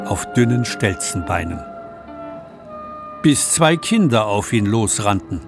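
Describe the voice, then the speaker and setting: A man reading the narration of a radio play in a calm, measured way. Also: medium pitch. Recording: music playing underneath.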